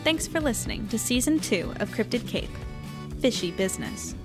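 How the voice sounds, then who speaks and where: A woman's voice: on the high side, animated, normal speed, music in the background. A woman, the podcast's creator, reading scripted end credits.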